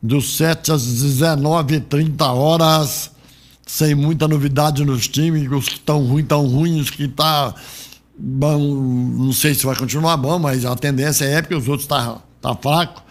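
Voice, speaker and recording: A man's voice: fairly high pitch, fairly even intonation, unhurried. A middle-aged man from Brazil hosting a local radio show, chatting loosely about football with frequent rambling asides. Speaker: radio host. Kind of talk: casual radio sports chat. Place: radio studio.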